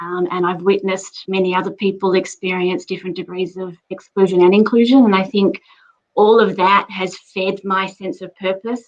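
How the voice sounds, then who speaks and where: With an Australian accent, a woman speaks in a medium pitch. She keeps a moderate pace. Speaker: diversity and inclusion executive. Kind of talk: panel discussion.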